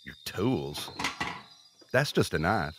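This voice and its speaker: A man's voice: sits low, big pitch swings, takes it slowly, heavy background noise, heavily acted. An actor playing a wounded, stubborn, panicky man in a scripted audio drama, his voice strained. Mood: wary, irritated.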